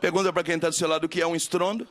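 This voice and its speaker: Brazilian male preacher, high-pitched, emphatic call-and-response sermon delivery. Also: little pitch movement, racing, a bit bright. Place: live camp gathering.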